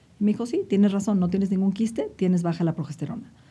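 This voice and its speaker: A woman speaks at a very fast pace with a dark, mellow tone. Her voice is somewhat breathy, with fairly even intonation. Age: 40s. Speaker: nutritionist podcast host. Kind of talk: solo talk monologue.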